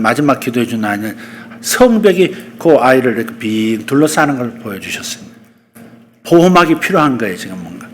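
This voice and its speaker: Animated Korean pastor preaching. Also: male voice, fairly high pitch, long reverb tail. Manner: animated preaching, acting out bold rebukes to the congregation. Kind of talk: sermon.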